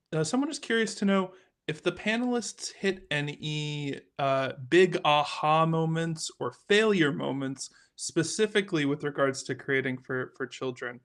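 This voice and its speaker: Guy co-hosting, somewhat high voice, informally passing questions to panelists. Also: fairly bright tone. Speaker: panel co-host relaying audience questions. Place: remote online panel call.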